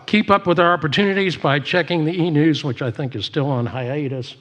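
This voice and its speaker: A man leading a church service, giving announcements and devotional readings in a measured way with frequent pauses. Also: a little high, fairly bright tone.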